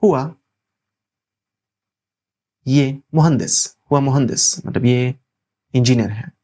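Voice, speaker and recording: A teacher with a South Asian accent and a medium-pitched voice leads a language lesson. Each phrase is said deliberately, repeated, and then translated step by step. The delivery is plainly instructional, recorded on a lavalier microphone. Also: warm tone.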